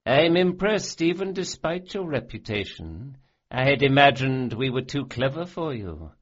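A man's voice: medium pitch, very animated, unhurried, lo-fi sound, pitched above the performer's own voice. A man voicing a smug, cruel male sorcerer who sneers and relishes every cruelty. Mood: gloating.

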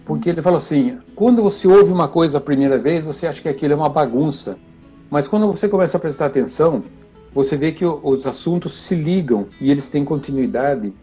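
An older man, a chamber musician, telling stories in an interview, animated, often adding "né?" at the ends of phrases. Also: fairly high pitch, fast talker, faint music behind. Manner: animated, frequent "né?" tags. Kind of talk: storytelling interview.

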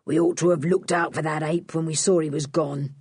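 A woman reading aloud voices a gruff, menacing male criminal who growls his lines. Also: low-pitched, steady tone, fairly quick, a little mellow, no room sound, studio quality, heavily acted. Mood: grim. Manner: growling, grim.

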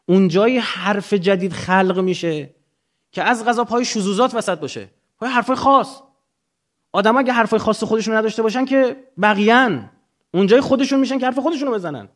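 A man's voice: sits high, a bit bright. A man with an Iranian Persian accent lecturing informally and emphatically, explaining through examples and rhetorical questions.

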